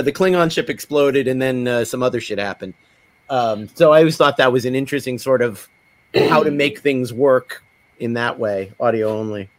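Joking man with a mid-pitched voice. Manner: joking, colloquial storytelling. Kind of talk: casual panel talk. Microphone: video call.

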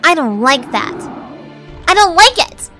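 A creepy possessed child with a high, bright, wildly swinging voice. The demon is taunting, petulant and menacing, in the manner of horror audio drama. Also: female voice, animated, slow, faint music behind, heavily acted. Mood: shrieking, petulant.

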